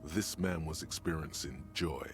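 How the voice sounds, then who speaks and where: A man narrating a game in a scripted, gravelly delivery. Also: extremely low pitch, unhurried. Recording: faint music under the voice.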